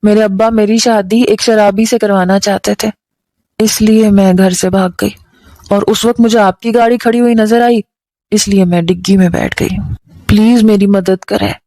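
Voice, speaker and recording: A woman's voice: mid-range voice, fairly even intonation, moderate pace, warm tone, dry recording, close to an everyday voice. A woman voicing a frightened young runaway woman who pleads and implores for help. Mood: pleading.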